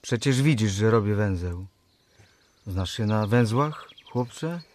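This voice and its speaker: A man's voice: on the low side, animated, slow, a little mellow, a little hiss or hum. A man playing a guarded, wry thirty-seven-year-old in a radio drama.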